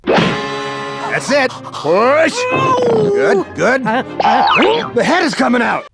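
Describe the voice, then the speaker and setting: A man voicing a cartoon horse who plays doctor, gravelly and theatrically mock-professional, in a cartoon clip with music behind him. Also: extremely high pitch, huge pitch swings, very slow, exaggerated voice. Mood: urging. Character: gruff male cartoon horse posing as a doctor. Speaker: cartoon character. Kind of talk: cartoon voice acting.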